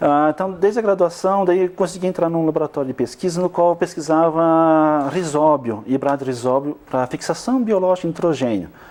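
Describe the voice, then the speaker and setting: A man with a Santa Catarina accent, fairly high pitch, ordinary pitch variation, and a fairly quick pace with hardly any pauses. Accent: Santa Catarina (catarinense). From Santa Catarina, Brazil. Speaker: agronomy professor. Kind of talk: interview. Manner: halting, many fillers.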